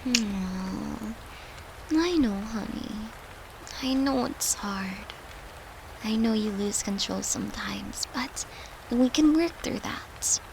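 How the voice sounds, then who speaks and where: A woman's voice: medium pitch, expressive, slow pace, noisy background. A woman playing a devoted, playful and protective human girlfriend in an intimate comfort audio roleplay, speaking in a tender, soothing, coaxing way. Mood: gentle reassurance. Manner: tender, soothing, coaxing, slipping into breathy murmurs.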